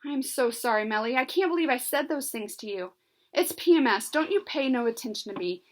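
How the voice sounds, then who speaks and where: A woman voicing an upset teenage girl who complains in high, quick outbursts. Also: animated. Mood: apologetic, scheming.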